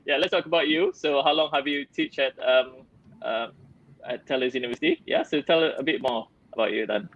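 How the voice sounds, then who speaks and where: Rambling online cooking show host. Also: male voice, medium pitch, expressive, brisk, vocal fry, fairly bright tone, lo-fi sound, slight background noise. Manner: upbeat, rambling with fillers.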